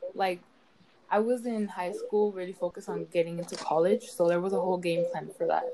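Fairly even intonation at a fairly quick pace amid noticeable background noise. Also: woman, medium pitch for a woman. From Dallas, Texas. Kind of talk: casual chat.

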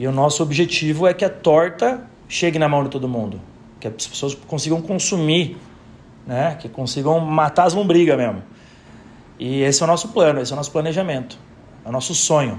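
A man with a fairly high pitch speaks at a fairly quick pace with lively intonation. His pauses are long and frequent. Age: 30s. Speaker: entrepreneur. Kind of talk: personal storytelling monologue. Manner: casual.

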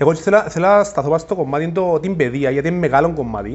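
Ordinary pitch variation runs through this man's speech. His delivery is moderately paced. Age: 30s. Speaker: podcast host. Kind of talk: casual interview. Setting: livestream from home.

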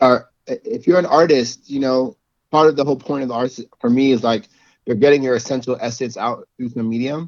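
A man's normal speaking voice, medium in pitch, fairly quick, with ordinary pitch variation. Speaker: author. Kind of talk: casual chat. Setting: video call.

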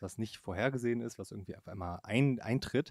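A man's pitch varies in an ordinary way. The sound is dry and close, without any echo. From Germany. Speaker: podcast co-host, entrepreneur. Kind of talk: casual chat.

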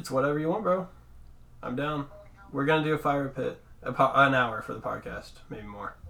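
Over noticeable background noise, a man with a fairly high pitch speaks at a fairly quick pace with ordinary pitch variation, big swings in loudness and long, frequent pauses. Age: 20s. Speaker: host's younger brother. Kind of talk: casual chat. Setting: recording at home in an office. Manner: quiet, reserved.

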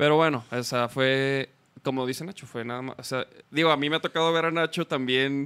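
A man speaks at a fairly quick pace in an unremarkable speaking voice. His pitch is fairly high, and his intonation is fairly even. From Chihuahua, Mexico. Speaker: podcast host. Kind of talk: casual chat.

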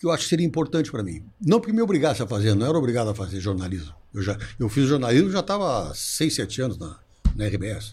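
Very fast speech from a man at medium pitch, with vocal fry and very wide pitch swings. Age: 70s. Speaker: former football referee and TV commentator. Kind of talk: casual interview chat.

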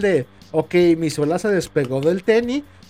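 Music plays in the background as a man with a high pitch talks with ordinary pitch variation. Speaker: podcast host. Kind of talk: casual chat. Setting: live stream.

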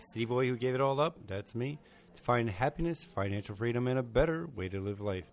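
This man talks at a fairly quick pace in an American accent, with medium pitch and an unremarkable speaking voice. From US Northeast (New Jersey). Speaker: podcast host and homesteader. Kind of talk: casual interview.

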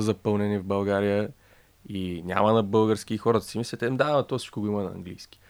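A man speaks in a calm tone with a fairly low pitch and fairly even intonation. The recording is very clean, with a silent background. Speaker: cooking YouTuber and cookbook author. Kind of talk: casual interview.

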